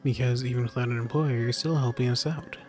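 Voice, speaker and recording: A man's voice: mid-range voice, fairly even intonation, fast talker, darkish tone, close to an everyday voice. A man playing a laid-back, wry young traveler in a video game, with a casual way of talking. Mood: matter-of-fact. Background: music.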